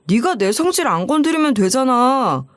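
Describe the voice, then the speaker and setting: A woman's voice: high-pitched, sing-song, normal speed, dry recording, clean studio sound. A woman voicing a rude, cold young man who snaps curtly at his fiancée. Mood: scornful. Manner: curt, snapping, dismissive.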